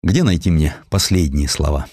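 A man narrating historical essays from a script in an expressive storytelling way, with ironic, conversational asides. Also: rumbling low, normal speed, husky, dry recording, clean studio sound. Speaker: audiobook narrator. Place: studio.

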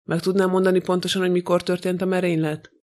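A man's voice: sits high, little pitch movement, darkish tone, close to an everyday voice. A man voicing a stern, impatient male magistrate who asks formal, probing questions in an audiobook.

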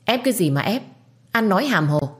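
A woman's voice: very animated, fairly quick, lightly acted. A woman voicing a bitter, jealous young woman who shrieks insults. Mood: furious. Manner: shrill, hurling insults.

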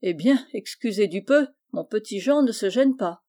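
A woman's voice: mid-range voice, expressive, normal speed, warm tone, natural voice. A woman reading the part of a hearty, generous older male farmer in a storybook, jovial and exclaiming.

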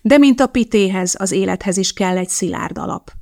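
A woman's voice: mid-range voice, creaky, mellow, natural voice. A woman reading the part of a precise, blunt woman chemist, lecturing in a matter-of-fact way.

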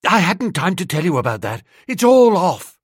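A man voicing an excitable, lovestruck young upper-class man who gushes eagerly and rushes his words. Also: high-pitched, husky, dry recording, studio quality, voice pushed up, exaggerated voice. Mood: gushing. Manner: gushing, eager, rushing ahead.

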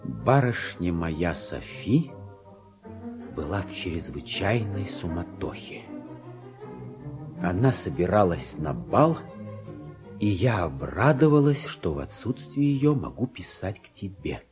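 A man's voice: low-pitched, sing-song, takes it slowly, long pauses, over music, voice pushed down, heavily acted. A man voicing a chatty, naive, pampered female lapdog reading out her gossipy letters in a theatrical radio play. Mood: confiding, fussy. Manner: prim, gossipy, singsong.

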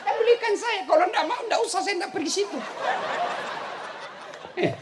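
A middle-aged male preacher, giving a humorous religious lecture and telling stories with shouts and laughter. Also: very high-pitched, normal speed, background noise. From South Sulawesi. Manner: animated storytelling, bursts into shouts and laughter.

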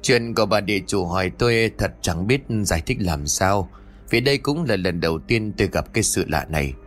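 A man voicing a gruff old male village sorcerer who mutters and grumbles in a low voice. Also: expressive, a bit bright, soft background music. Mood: puzzled. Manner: low muttering, slow curses.

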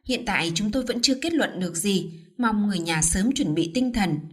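A woman voicing a composed nurse who speaks in a measured, formal way. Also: medium pitch, animated, breathy edge. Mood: grave.

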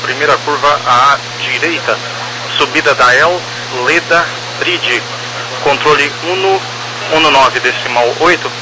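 A man's voice: medium pitch, measured pace, pauses often. A man with a Brazilian accent speaking clipped aviation phraseology over a helmet-style aircraft radio. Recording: very noisy humming aircraft radio channel.

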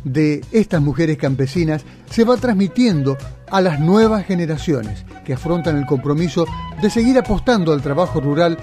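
A man narrating a documentary news segment in an earnest, measured way. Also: fairly high pitch, lively intonation, mellow, faint music behind. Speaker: reporter and narrator.

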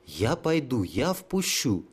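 A man's voice: mid-range voice, big pitch swings, takes it slowly, breathy edge, full character voice. A man voicing a tearful, simple-minded holy fool who talks about himself like a child. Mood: eager. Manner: childlike pleading, stuttering.

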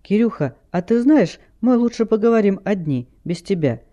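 A man playing a sensible teenage girl sleuth with a raised, mellow voice. She speaks firmly yet gently, reasoning things through in an audiobook. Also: high-pitched, lively intonation, moderate pace, voice pushed up. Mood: persuasive. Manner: firm but gentle, reasoning.

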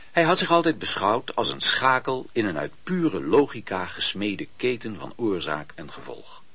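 A man reading scripted literary narration for a radio play, with a husky voice and a measured, expressive storytelling delivery. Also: on the low side, no echo. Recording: muffled, dull, dry radio play recording.

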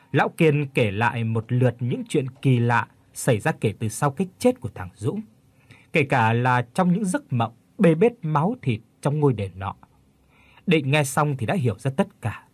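A man narrates a horror story, telling it with dramatic, expressive delivery. His pitch moves freely and his voice has a slight huskiness. The recording is dry and close. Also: husky, no room sound.

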